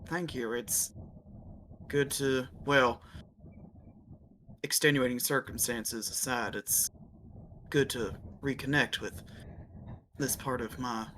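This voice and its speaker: A man voicing a tall male adventurer who speaks quietly and respectfully. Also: medium pitch, fairly even intonation, slow pace, pauses often, slight background noise, pitched below the performer's own voice.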